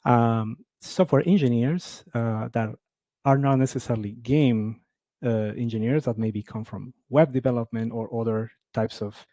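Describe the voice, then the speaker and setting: A man's voice: medium pitch, a little slow, mellow, no echo. A man from Ecuador giving a conference talk on game audio, speaking with many fillers and restarts.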